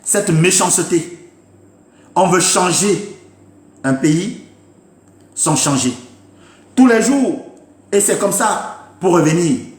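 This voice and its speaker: A man's voice: sits high, animated, slow pace, long pauses, echoey room. A man giving an impassioned political rant, emphatic and scolding, repeating his points to his listeners. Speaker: political commentator. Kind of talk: impassioned live-stream rant.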